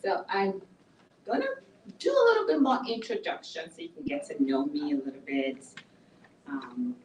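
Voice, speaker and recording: A woman's voice: on the low side, wildly swooping pitch, normal speed, a little hiss or hum. A middle-aged woman, an author giving a conversational talk about her life and work to a small audience. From Nigeria. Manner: conversational, explains plainly. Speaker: author and speaker. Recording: echoey room from a distance.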